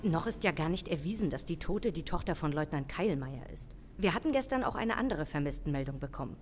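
An actress playing a senior policewoman in an audio drama. Her voice is on the low side, measured and authoritative, decisive in manner, with faint noise behind it. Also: animated. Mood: grave, decisive. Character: level-headed, authoritative senior female police official. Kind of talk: German audio drama acting.

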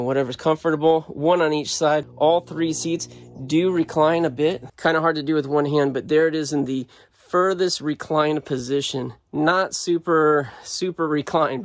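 A man's voice: fairly high pitch, fairly even intonation, normal speed, a little hiss or hum. A man chatting offhandedly as he shows around a van, filming on a handheld phone. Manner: chatty, offhand, thinking aloud. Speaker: vlogger. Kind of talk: casual walkaround video. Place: inside a parked van.

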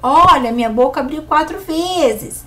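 Animated Brazilian woman teaching teachers. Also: unhurried. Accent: Brazilian Portuguese. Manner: clear explanatory pace with lively pitch swings. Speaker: teacher giving an online course. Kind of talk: instructional lesson for educators.

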